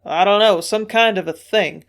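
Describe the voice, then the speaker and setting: A rough sailor, read by a woman, talks loudly in gruff, blunt bursts. He sounds plain-spoken and unpolished. An audiobook reading. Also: medium pitch, normal speed, natural voice.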